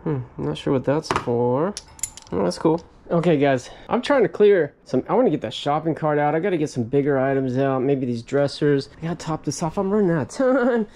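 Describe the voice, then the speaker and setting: This man's voice is a little high and darkish, brisk with lively intonation. Hosting a casual storage-locker vlog in a cluttered metal unit, he resells what he finds and talks through his unboxing, sprinkling in hmms and small laughs as he sorts the items.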